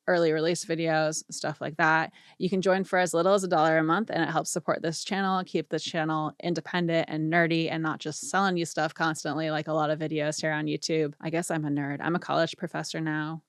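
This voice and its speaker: Female host, forties, low voice, casual tutorial delivery, tired and a little hoarse, dry close mic. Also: no echo. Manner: chatty, rambling, self-deprecating, nerdy. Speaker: audio engineering teacher and YouTube host. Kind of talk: casual tutorial talk to camera. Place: small home studio. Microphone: studio vocal mic.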